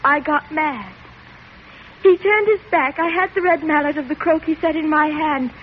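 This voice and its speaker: A woman voicing a terrified young daughter, her voice trembling and tearful. It sits very high. The sound is thin and tinny with a faint hiss, like an old radio broadcast heard down a line. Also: normal speed, natural voice. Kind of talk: 1940s radio drama acting.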